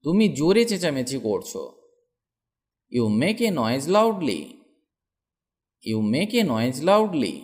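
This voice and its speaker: A man teaching English, saying a sentence in Bengali and then repeating its English version twice, slowly and clearly. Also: medium pitch, big pitch swings. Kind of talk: slow drilled sentence practice.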